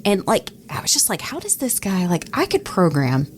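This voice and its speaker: A woman's voice: mid-range voice, wildly swooping pitch, normal speed, slight background noise. A woman who works in radio, chatting casually and acting out remembered exchanges as a podcast co-host. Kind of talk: casual conversational storytelling.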